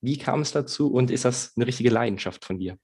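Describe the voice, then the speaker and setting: A man's voice: mid-range voice, fairly quick, a little mellow, slightly rough. An enthusiastic man hosting a podcast interview, speaking in an upbeat, eager way. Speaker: podcast host.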